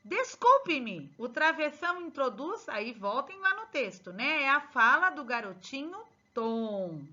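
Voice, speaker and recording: A bright-voiced woman teacher works through exercise answers with her pupils, dwelling on each word. Her high voice swoops up and down as she stresses every answer, and the recording is dull and lo-fi. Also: expressive. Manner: slow, emphatic, spelling out answers to pupils. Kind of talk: exercise correction lesson.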